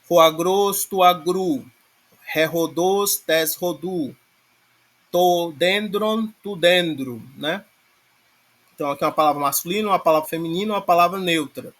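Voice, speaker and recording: A man's voice: sits high, unhurried, a bit bright. A man teaching a class, explaining grammar step by step and often checking in with his students. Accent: Brazilian Portuguese. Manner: explains patiently with many filler checks like "né?". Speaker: Greek language teacher. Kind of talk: online lecture on grammar.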